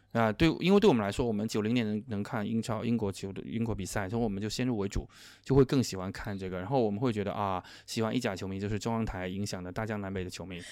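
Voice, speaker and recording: Very clean and recorded against a silent background, a man's fairly low voice moves at a very fast pace with fairly even intonation. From Guangdong, Chaoshan region. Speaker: podcast host and writing platform founder. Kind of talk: casual chat.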